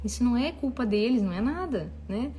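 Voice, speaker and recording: A woman giving parenting advice to an audience in a casual, expressive talk. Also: fairly high pitch, a little fast, slight background noise. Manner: expressive, acts out dialogue with children. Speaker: parenting advice speaker and mother.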